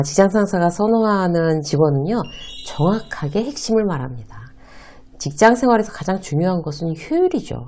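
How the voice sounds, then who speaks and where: Woman giving a lively lesson with a gravelly voice. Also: on the low side. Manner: asks and answers her own questions; acts out short quoted exchanges. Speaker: workplace advice host. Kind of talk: talk-style lesson to viewers.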